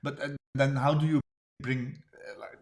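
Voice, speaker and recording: A male interviewer with a mid-low, ordinary voice. He asks his questions with some hesitation and restarts, and keeps up a steady stream of short agreements while the guest talks. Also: normal speed, vocal fry. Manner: frequent backchannel, hesitant questions.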